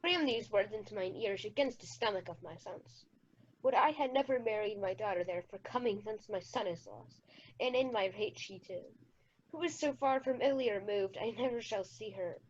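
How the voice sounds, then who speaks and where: A woman's voice: mid-range voice, normal speed, dull audio, slight background noise, natural voice. A woman playing a weary, grieving king in a Shakespeare radio play, plaintive and curt. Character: grieving, weary king mourning his son.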